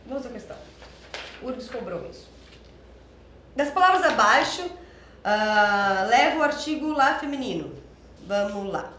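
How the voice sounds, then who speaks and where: A woman's voice: fairly high pitch, expressive, a little slow, long pauses, a bit bright, reverberant, a little hiss or hum. A young adult woman teaching Spanish for an exam, explaining step by step in a chatty way and checking in with her students often. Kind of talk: exam-prep lesson.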